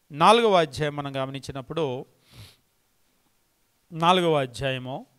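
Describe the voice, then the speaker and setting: A man's voice: fairly high pitch, fairly bright tone, smooth. A man preaching a sermon, emphatic and repeating key phrases, asking the congregation pointed rhetorical questions.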